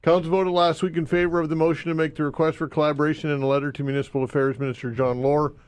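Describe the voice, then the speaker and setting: Higher-pitched radio host. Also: male voice, level tone, racing, clear, resonant tone, no echo. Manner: emphatic, repeats phone number. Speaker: radio talk show host. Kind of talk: talk radio hosting. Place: radio studio. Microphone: studio microphone.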